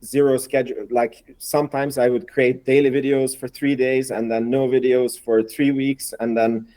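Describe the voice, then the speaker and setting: Mellow-voiced man from Hungary, chatty. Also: medium pitch, level tone, normal speed, poor audio. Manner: chatty, repeats words, slightly non-native phrasing. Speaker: guest, investor and YouTuber. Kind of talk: casual podcast conversation.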